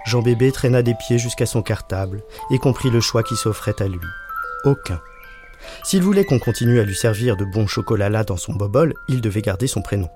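A man reading a children's story aloud in a playful, lively way. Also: fairly low pitch, fairly quick. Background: music.

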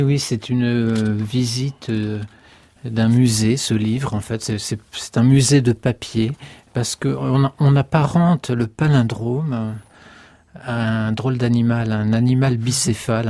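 A man, a guest poet in a radio interview, speaking in a halting, thoughtful way and often repeating words. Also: medium pitch, dark tone, no echo.

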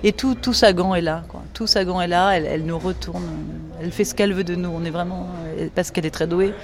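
A woman's voice: on the low side, steady tone, a little fast, a crowd in the background. A middle-aged woman novelist speaking enthusiastically in a radio documentary interview, often restarting and repeating words. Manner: enthusiastic, with many restarts and repetitions. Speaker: novelist guest.

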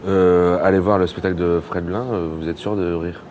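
A man's voice: sits low, level tone, moderate pace, darkish tone, soft background music. A male comedian in casual conversation, teasing and wry. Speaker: comedian guest.

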